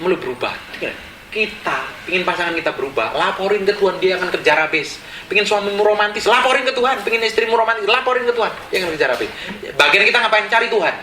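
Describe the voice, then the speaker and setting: Lively, bright-voiced male pastor preaching. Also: sits high, quick pace, a little hiss or hum. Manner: animated, acts out quotes and laughs along. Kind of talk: storytelling sermon. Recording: echoey room with faint ambience.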